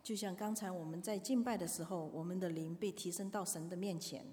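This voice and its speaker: A woman's voice: on the low side, fairly even intonation, brisk, mellow. A woman interpreting a sermon live in a church, hesitant, with fillers and self-corrections. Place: church hall. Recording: long hall reverb.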